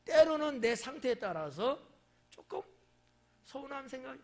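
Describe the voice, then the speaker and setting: Male pastor, high-pitched, talks to the pews like a conversation, playful asides, drops into little acted voices. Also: big pitch swings, moderate pace. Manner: conversational preaching, asking the congregation questions; acts out quoted lines in shifting voices. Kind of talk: sermon. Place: church at a Wednesday evening service.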